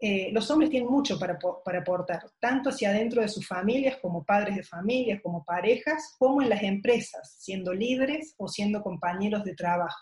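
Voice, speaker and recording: In a Córdoba accent, a woman speaks at a moderate pace with hardly any pauses. Her medium-pitched voice carries lively intonation. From Argentina, Córdoba. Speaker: gender equality expert, conference speaker. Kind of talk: conference talk.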